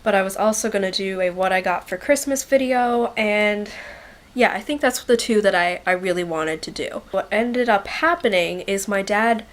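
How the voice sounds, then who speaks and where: A woman's voice: mid-range voice, normal speed. A young woman vlogging casually to the camera. She sounds congested from a head cold and talks in a chatty, rambling way with lots of likes and ums. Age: young adult. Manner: shy and quiet by nature. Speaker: beauty vlogger.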